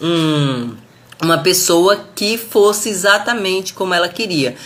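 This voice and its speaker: A woman talks with a fairly low pitch and ordinary pitch variation. Noticeable background noise sits under her voice. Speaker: book study presenter. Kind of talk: book reading with commentary. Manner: casual, conversational.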